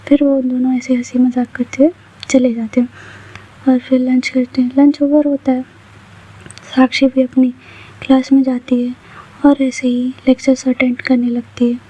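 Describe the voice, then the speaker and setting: A woman telling a story in a conversational, plain, unhurried way. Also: high voice, little pitch movement, dark tone, slightly rough. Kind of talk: casual storytelling narration. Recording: dull lo-fi recording.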